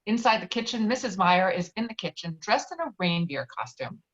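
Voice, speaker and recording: A woman's voice: mid-range voice, big pitch swings, fairly quick, fairly bright tone. A woman reading stage directions as the narrator of a virtual table read. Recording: dull, lo-fi online call.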